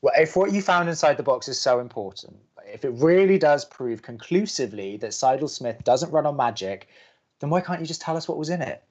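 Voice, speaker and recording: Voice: medium pitch, expressive, brisk, darkish tone, highs cut off, natural voice. An actor playing a curious, sympathetic young college radio co-host in an audio drama, with a questioning, coaxing manner. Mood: probing, challenging.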